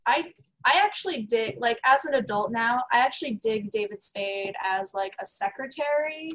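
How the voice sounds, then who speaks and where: A woman comedian guesting on a casual podcast, talking in a hesitant, halting, wry way. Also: fairly high pitch, rough recording.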